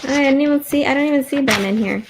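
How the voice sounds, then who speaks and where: A woman's voice: high voice, fast talker, background noise. Young woman, American accent, casual live-stream co-host, informal, playful, self-deprecating. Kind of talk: casual chat. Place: in bed at home.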